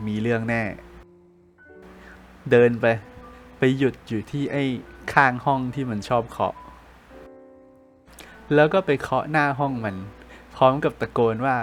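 A man's voice: mid-range voice, measured pace, long pauses, faint music behind. A man casually telling a ghost story for a podcast, chatting like a friend with loose slang.

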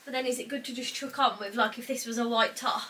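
A young British woman vlogging casually while sorting clothes in her bedroom, thinking out loud with lots of "like", a little congested from a cold, heard from a camera across the small room. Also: on the high side, steady tone, fast talker. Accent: British English. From England. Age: young adult. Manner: chatty, thinks out loud, frequent "like". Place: small cluttered bedroom wardrobe room indoors. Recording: distant mic, faint noise.

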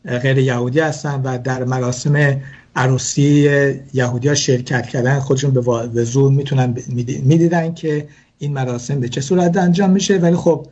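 A man's voice: medium pitch, fairly even intonation, a little mellow, husky, lo-fi sound. A man explaining religious wedding customs in a talk show, hesitant, with many fillers and restarts. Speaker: guest speaker on Jewish customs.

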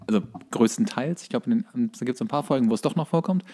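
A man's voice: medium pitch, quick pace, mellow. A man co-hosting a casual chat podcast, explaining things in a colloquial way. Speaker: podcast co-host. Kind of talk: casual chat about series.

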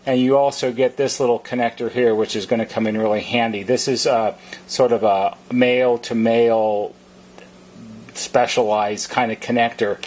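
A man's voice: mid-range voice, a little hiss or hum. A man who works as a service technician, giving an informal, plain-spoken product demonstration and explaining step by step.

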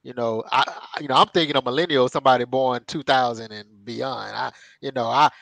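A man's voice: mid-range voice, fairly quick, gravelly, a bit bright, no room sound, poor audio. A man in his thirties co-hosting an interview over a video call, chatting loosely with lots of fillers and asides. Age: 30s. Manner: chatty, rambling with many fillers and laughs. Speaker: co-host. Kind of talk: casual interview chat. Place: home room on a video call. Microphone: headset on a video call.

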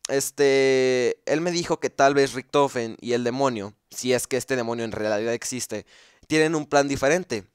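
A man's voice: mid-range voice, smooth, no room sound, studio quality. A man gives casual commentary explaining video game lore. He thinks aloud, with frequent fillers and restarts.

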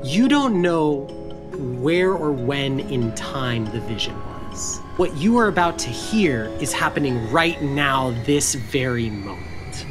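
Slow, suspenseful game master. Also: medium pitch, animated, music in the background. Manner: deliberate, dramatic pauses. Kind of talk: suspenseful narration of a tabletop game.

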